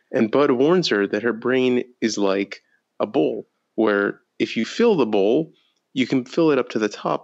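A man co-hosting a casual sports chat podcast, telling stories in an animated way and laughing often. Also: mid-range voice, creaky, dull audio. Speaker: podcast co-host.

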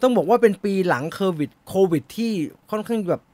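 A man's voice: sits high, lively intonation, fast talker, darkish tone, no room sound. A man hosting a casual live stream about movie news and reading viewer comments, chatty and loose, muttering to himself as he sorts out his slides. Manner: chatty, laughs and mutters while fixing slides.

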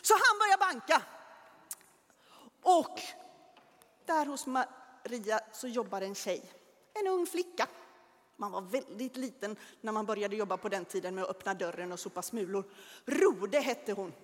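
A woman telling a Bible story to children in a church, animated and dramatic, with lively asides. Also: medium pitch, pauses often. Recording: long reverb of a large hall.

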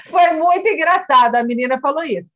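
A Brazilian woman, a family coach, teaches by retelling a session in animated storytelling, acting out the dialogue and speaking straight to her listeners. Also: high voice, brisk, muffled recording.

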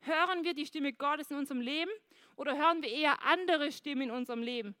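Female preacher, high bright voice, dry close sound; lively sermon delivery, addresses the congregation directly. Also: fast, no echo. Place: church service.

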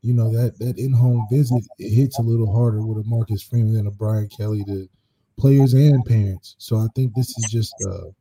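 A man co-hosting a casual sports podcast, giving relaxed conversational analysis. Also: fairly low pitch, normal speed, breathy edge, low-quality recording. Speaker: podcast co-host.

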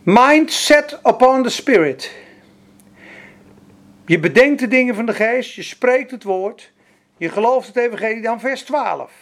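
A man preaching a sermon, animated, swinging between loud exhortation and soft prayer-like passages. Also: extremely high pitch, unhurried, pauses often. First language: Dutch.

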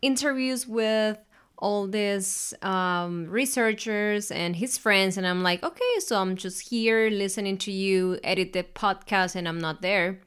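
Chatty Colombian woman, clear voice. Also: medium pitch, a little slow. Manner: lively, chatty storytelling. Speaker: guest, host's wife. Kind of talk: casual interview chat.

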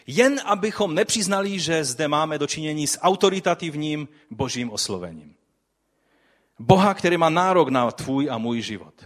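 Animated male preacher, slightly high voice. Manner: addresses the audience with rhetorical questions; animated storytelling with swings in loudness. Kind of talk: sermon.

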